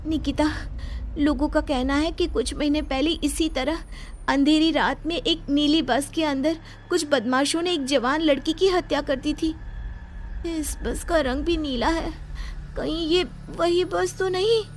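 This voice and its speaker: A woman voicing a timid, jumpy young woman office worker who frets anxiously in a very high voice. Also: a little slow, slight background noise. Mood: worried. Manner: anxious, fretful.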